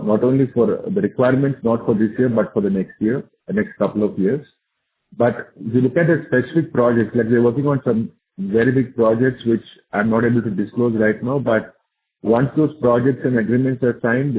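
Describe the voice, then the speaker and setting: Over a narrow phone line, an executive with an Indian accent and a medium-pitched voice answers questions from investors on a conference call, repeating his points to drive them home.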